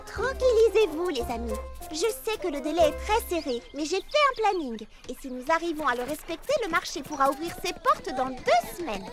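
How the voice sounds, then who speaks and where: A woman voicing a cheerful, kind, organised young girl heroine in a children's cartoon, expressive and earnest. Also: extremely high pitch, a little fast, loud music behind the voice. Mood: reassuring. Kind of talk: animated children's cartoon dub.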